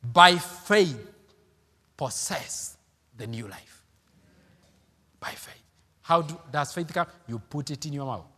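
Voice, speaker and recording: A man's voice: fairly high pitch, expressive, takes it slowly, long pauses, bright, forceful tone, long reverb tail. A man, preaching an emphatic sermon, repeating his points and calling out hallelujah. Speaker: pastor.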